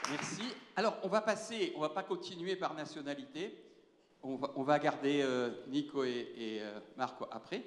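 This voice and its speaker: A man's voice: on the high side, normal speed, noisy background. Man moderating in an echoey hall. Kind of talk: moderating a round table. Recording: echoey hall, long reverb.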